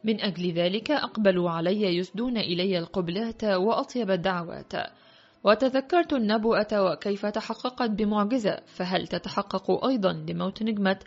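A woman narrating a literary audiobook in a measured, reflective way. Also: medium pitch. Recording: dull lo-fi audio with faint music.

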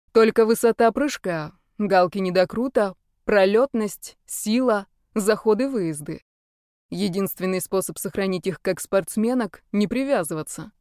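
A woman narrating a first-person audiobook in a measured, even reading. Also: mid-range voice, clear, resonant tone, no room sound, clean studio sound.

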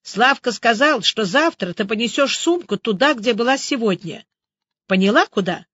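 Woman doing a brisk cop pal barking instructions, a bit loud, dull dry audiobook sound. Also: fairly high pitch, animated, husky, no echo. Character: brisk friendly male police officer.

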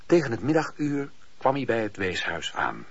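A man narrating a radio drama as a scripted, literary story in a measured storytelling manner. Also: medium pitch, wildly swooping pitch, creaky. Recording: dull radio recording.

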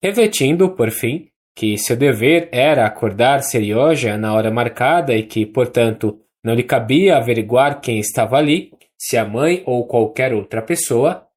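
An audiobook narrator with a Brazilian Portuguese accent, reading a classic novel in a measured, even way. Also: medium pitch. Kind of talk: scripted literary narration.

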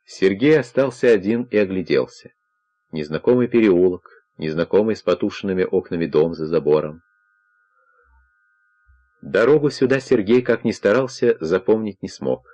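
A man narrating a crime novel as an audiobook in a steady, measured reading. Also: low-pitched, highs cut off.

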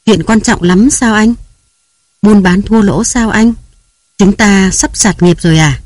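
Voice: mid-range voice, a little slow, a little mellow, dry recording, natural voice. The narrator voicing a young wife, just woken, who speaks in slightly raised, eager questions. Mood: anxious. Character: drowsy young wife, anxious and impulsive.

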